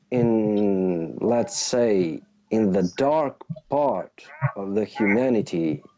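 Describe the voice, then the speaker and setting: Slow, halting man. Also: fairly low pitch, a little mellow, rough recording. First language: Albanian. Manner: halting, searching for words, many restarts. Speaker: actor, interview guest. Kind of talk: remote interview answers.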